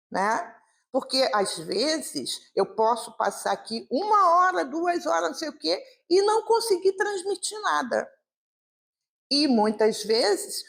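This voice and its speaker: A woman speaker giving an informal, conversational talk on a gospel reading at a live public meeting, with many rhetorical questions. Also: a little high. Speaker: guest speaker at a spiritist meeting.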